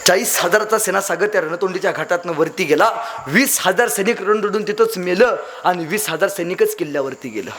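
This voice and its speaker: A young man delivers a fiery storytelling speech. His voice sits very high for a man and rings bright and forceful. He declaims and repeats his phrases for emphasis. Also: a little fast, hardly any pauses, a little hiss or hum. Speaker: public speaker.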